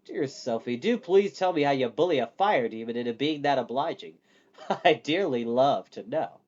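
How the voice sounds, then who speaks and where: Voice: medium pitch, expressive, normal speed, darkish tone, lo-fi sound, close to an everyday voice. A storyteller voicing a vain, sardonic young male wizard in a storybook, theatrical and mock-polite. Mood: sardonic, scolding.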